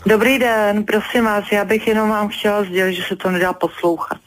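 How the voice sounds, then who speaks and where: A woman's voice: medium pitch, level tone, a crowd in the background, poor audio. A woman calling in to a radio talk show, exasperated and insistent, lecturing the hosts. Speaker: caller. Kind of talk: radio call-in complaint.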